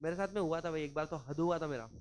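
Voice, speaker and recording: Man, high-pitched voice, law teacher, chatty classroom style, acts out stories. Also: fast, a little hiss or hum. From Maharashtra, India. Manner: chatty, mixes in English, acts out anecdotes. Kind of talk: casual classroom lecture.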